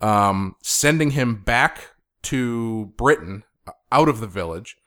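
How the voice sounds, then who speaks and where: A man's voice: mid-range voice, lively intonation, slow, fairly bright tone. A man hosting a podcast in a studio, chatting casually and rambling with fillers. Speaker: podcast host. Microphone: studio microphone.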